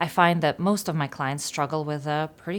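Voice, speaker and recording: A woman speaks at a fairly quick pace. Her pitch is very deep and low. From Russia, moved between countries as a child. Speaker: psychologist. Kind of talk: self-introduction promo.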